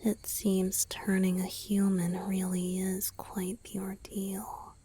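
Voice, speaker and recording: A woman voicing a tender, devoted young male vampire boyfriend in a soft, breathy whisper for a romantic ASMR roleplay. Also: mid-range voice, monotone, slight background noise, close to an everyday voice. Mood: tender, hesitant. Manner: slow, gentle, devoted, lingering pauses.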